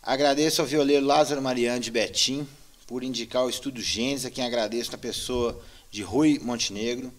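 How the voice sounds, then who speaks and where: A man in his thirties with a Minas Gerais accent, hosting a casual on-stage talk and briskly reading out thanks to a list of names into a handheld mic. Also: medium pitch, steady tone. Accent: Minas Gerais Brazilian Portuguese. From Brazil, Minas Gerais. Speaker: host, journalist and poet. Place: small indoor stage with curtains.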